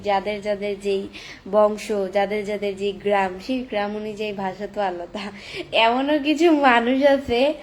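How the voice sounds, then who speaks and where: A teenage girl with a Chandpur Bengali accent chatting on a live stream, reading viewer comments aloud and answering them on her phone. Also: a little high. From Bangladesh. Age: teens.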